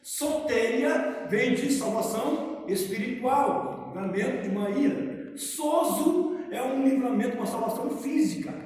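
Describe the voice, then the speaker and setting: A man with a Brazilian accent teaching a Bible study as a pastor, explaining terms patiently, checking in with his listeners, and reading scripture slowly. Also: extremely high pitch, lively intonation, a little mellow. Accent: Brazilian Portuguese. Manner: reads scripture slowly and deliberately. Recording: echoey hall, mic far off.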